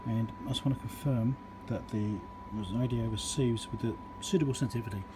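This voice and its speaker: Matter-of-fact man over loud background noise. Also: medium pitch, steady tone, brisk. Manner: matter-of-fact, talking through each step while working. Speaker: electronics repairer and video host. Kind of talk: casual hands-on repair demonstration. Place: indoor electronics workbench. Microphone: handheld camera or phone microphone. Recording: loud hiss and background noise, handheld camera.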